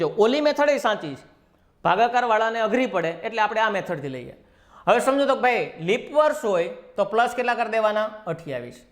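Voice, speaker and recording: A man with a Gujarati accent giving a reasoning lecture, firing rhetorical questions at his students and acting out little dialogues to make each step clear. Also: high voice. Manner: acts out dialogues with the numbers. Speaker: reasoning teacher. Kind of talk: classroom lecture.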